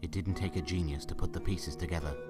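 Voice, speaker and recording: A male narrator with a deep voice tells a scripted story in a dramatic style. Faint music plays behind him, as in an audio drama. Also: steady tone, quick pace, a little mellow.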